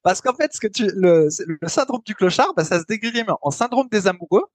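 High-pitched male podcast co-host, chatty, hesitant fillers, dry close sound. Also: expressive, brisk, no echo. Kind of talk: casual podcast chat.

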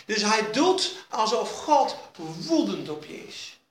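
A man preaching an evening sermon with emphasis, repeating key phrases and dropping to quiet asides. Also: high voice, sing-song, slow. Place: evening church meeting. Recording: echoey hall, faint background noise.

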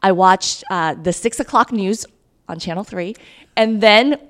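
A Guatemalan woman in her thirties, Spanish her first language and Kansas the place she was raised, is a podcast guest running for mayor. She shares her story upbeat and earnestly, in an unhurried, mid-range voice.

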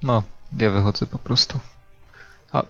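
Low, creaky man, slightly muffled recording. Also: measured pace, soft background music. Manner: hesitant, deliberating. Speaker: tabletop game player. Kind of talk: casual tabletop role-play.

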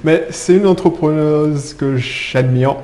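A woman's voice: deep voice, takes it slowly, warm tone. A woman hosting a casual interview, chatty and self-deprecating, often laughing as she talks. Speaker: podcast host. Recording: roomy echo.

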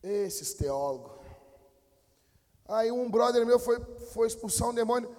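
A man with a Brazilian accent preaching a sermon in a church, blunt and slangy, dropping to low mutters and then bursting into shouts. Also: expressive, a little slow, in a large hall. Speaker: pastor.

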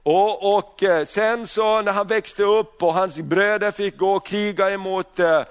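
A man with a notably high-pitched voice delivers a sermon. He talks in loose bursts, stumbling over and repeating words as he restarts sentences, and often throws rhetorical questions at his listeners. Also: fairly even intonation, smooth, soft background music. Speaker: preacher.

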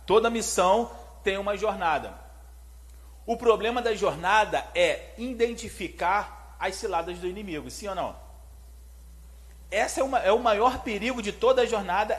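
A man preaching a sermon, animated and conversational, often putting questions to his listeners. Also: high-pitched.

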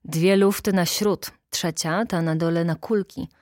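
A boastful, slightly drunk small-town official, bluff and persuasive, as a woman narrator puts him on. He talks in a low voice, recorded dry and close. It is an audiobook reading. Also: steady tone, measured pace, darkish tone, no echo, lightly acted. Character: boastful tipsy male local official.

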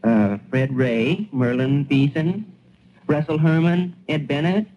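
A man's voice: a little high, slow, dark tone. A man playing a self-satisfied, pondering small-town American family man in a 1940s radio play. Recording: dull, hissy vintage radio recording.

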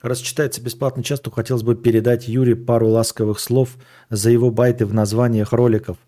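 A man's voice: medium pitch, flat delivery, a little fast, dark tone. A man chatting casually in a blunt way, with crude slang. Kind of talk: casual chat.

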